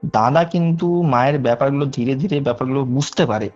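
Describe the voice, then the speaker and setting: A man's voice: mid-range voice, fast, darkish tone, dull audio, faint music behind. A young man, casually telling a true ghost story on a call and checking in with the listener. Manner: chatty, keeps checking in with the listener.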